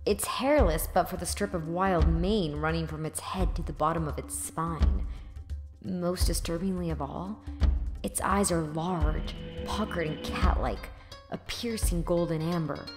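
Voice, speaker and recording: Woman playing a low-pitched wry young narrator. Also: a little slow, music in the background. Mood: descriptive, uneasy. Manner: sardonic, dry, conversational. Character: wry, weary, sarcastic 24-year-old woman narrator. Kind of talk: first-person audio drama narration and dialogue.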